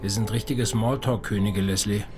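Very low male voice, actor as middle-aged bartender, laconic, caring, philosophical, radio play, music behind. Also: fairly even intonation, normal speed, close to an everyday voice. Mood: wry, reflective. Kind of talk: intimate radio play acting.

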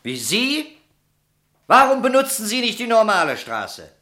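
An actor playing a businesslike, probing, guarded police detective in a German crime radio play. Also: male voice, sits high, huge pitch swings, measured pace, bright, forceful tone, full character voice. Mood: agitated, probing. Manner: businesslike, questioning.

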